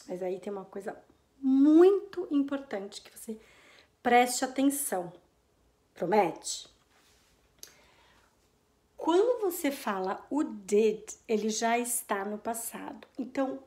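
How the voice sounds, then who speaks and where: A Brazilian woman whose first language is Portuguese teaches English in a casual online lesson, speaking with a Brazilian Portuguese accent. Chatty and checking in often with "ok?" and "combinado?", she draws out her English example phrases in a medium-pitched, slightly mellow voice.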